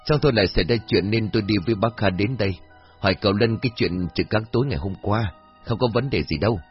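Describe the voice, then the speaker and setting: A man voicing a composed young male police officer who asks measured questions, in a storybook reading. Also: on the low side, lo-fi sound, soft background music, close to an everyday voice. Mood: calm.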